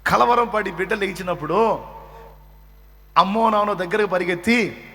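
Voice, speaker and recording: High-voiced man preaching in a reverberant hall. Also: moderate pace, pushed and bright. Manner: emphatic, repeats phrases, voices comforting parent. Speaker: pastor. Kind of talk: sermon. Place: church.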